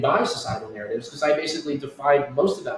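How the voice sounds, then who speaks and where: With noticeable background noise, a man speaks with an American accent. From New York (Westchester). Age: 30s. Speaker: tech entrepreneur. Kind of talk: casual interview.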